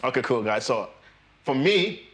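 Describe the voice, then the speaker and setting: A man's voice: medium pitch, big pitch swings, measured pace, fairly bright tone. A young man from Ireland, a guest trader chatting casually, laughing often and repeating his phrases. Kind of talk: casual chat. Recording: echoey room.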